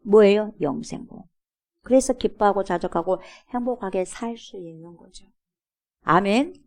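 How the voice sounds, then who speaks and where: Speaking at a measured pace in a mid-range, darkish voice, a woman pastor addresses her congregation in a church sanctuary. Her sermon is emphatic, with frequent rhetorical questions and repeated calls of "여러분."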